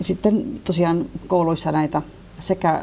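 There is noticeable background noise behind a woman as she speaks. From Finland. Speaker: aid worker. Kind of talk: interview.

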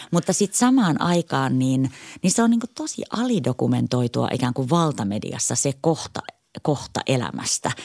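Here a woman is talking at a moderate pace. Her sound is dry and close, free of echo. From Finland, Kuusamo (northern Finland). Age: 40s. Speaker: journalist. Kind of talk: interview conversation. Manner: hesitant, many fillers and repetitions.

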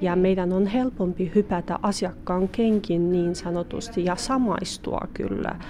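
A woman's medium-pitched voice in a Bashkortostan accent, very slow and fairly even in intonation, against noticeable background noise. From Bashkortostan, Russia. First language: Bashkir (speaking Finnish). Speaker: immigrant services coordinator. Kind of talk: interview. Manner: halting, frequent hesitations.

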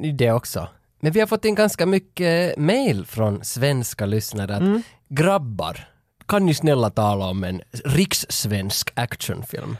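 In a very clean recording with a silent background and a dry, close sound with no echo, a man at medium pitch makes very wide pitch swings. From Ostrobothnia, Finland (Vaasa). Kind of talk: casual chat.

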